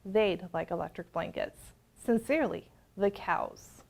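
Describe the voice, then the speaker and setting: A woman voicing a group of polite but demanding cows in a picture book read-aloud, reading their letters in a slow, prim way. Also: lowish voice, vocal fry, darkish tone, a little hiss or hum, pitched below the performer's own voice.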